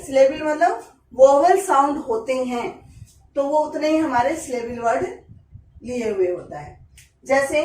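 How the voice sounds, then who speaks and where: A woman with an Indian accent gives a slow classroom grammar lesson in a high voice, repeating each example word. She is recorded from some distance in an echoey room. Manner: repeats example words slowly, explaining in Hindi. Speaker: teacher.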